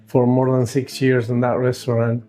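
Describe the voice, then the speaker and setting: Halting Cuban man in his sixties, music behind. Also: mid-range voice, completely flat delivery, warm tone. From Cuba. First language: Spanish. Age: 60s. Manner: halting, searching for words. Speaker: food truck owner, interviewee. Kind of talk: casual interview answers.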